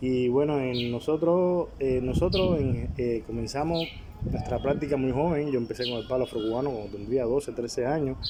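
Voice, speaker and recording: A man speaks at a medium pitch, and room echo is audible. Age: 40s. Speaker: Ifa priest. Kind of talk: informal lecture. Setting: temple.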